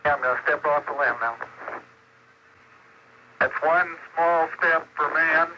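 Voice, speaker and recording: A man speaking as an astronaut over a live radio link, his voice fading in through static, halting and pausing with fillers. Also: fairly high pitch, steady tone. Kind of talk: live radio transmission from the moon. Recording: muffled radio transmission with static hiss.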